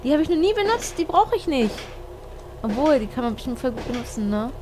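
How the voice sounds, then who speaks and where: Young woman, high voice, let's player, playful commentary with bursts of singing, faint hiss behind. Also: very animated, fairly quick. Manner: playful, sings and jokes, reads game text aloud. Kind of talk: game commentary.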